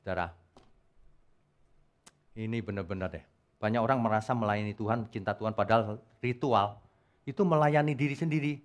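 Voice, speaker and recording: A man preaching a sermon at a church service, emphatic and animated, with loud peaks. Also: on the low side, fairly quick, long pauses. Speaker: pastor.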